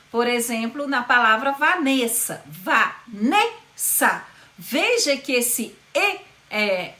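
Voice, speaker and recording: Bright-voiced woman teaching in an echoey room. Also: a little high. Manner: slow, drawn-out demonstration of words. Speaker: Portuguese teacher. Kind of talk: explanatory video lesson.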